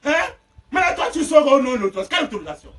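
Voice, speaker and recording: A man preaching a fiery sermon, shouting and laughing between phrases. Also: very high voice, big pitch swings, rapid-fire. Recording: distant mic with faint noise.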